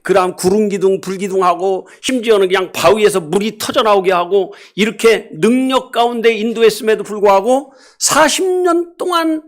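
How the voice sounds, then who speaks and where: A middle-aged male pastor preaching a sermon in a church, animated and questioning the congregation, acting out animal sounds and scoldings. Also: high-pitched, normal speed, few pauses. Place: church sanctuary.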